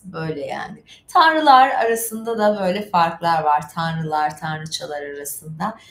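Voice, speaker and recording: A woman hosting a casual storytelling livestream, reading aloud and commenting in a chatty, rambling, informal way. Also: medium pitch. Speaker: livestream host. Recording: roomy echo, faint background noise.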